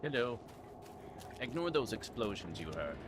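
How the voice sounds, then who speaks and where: A man's voice: on the low side, sing-song, measured pace, noisy background. A man giving casual, jokey commentary as he streams a video game, thinking aloud. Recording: music behind the voice. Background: game music.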